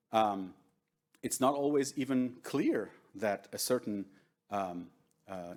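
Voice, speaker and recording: A man's voice: mid-range voice, a little mellow, breathy edge. Man giving a chatty conference talk. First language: Hebrew. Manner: conversational, keeps checking in with "right?". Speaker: workshop presenter. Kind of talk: conference lecture with audience questions. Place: large conference room with seated audience.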